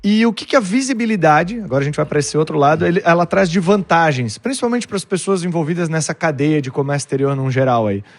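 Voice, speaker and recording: A man with a somewhat high voice hosts a podcast. He talks in a loose, joking way and drops slang as he goes. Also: expressive, fast talker, hardly any pauses. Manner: casual, joking, uses slang. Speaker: podcast host. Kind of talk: casual podcast conversation.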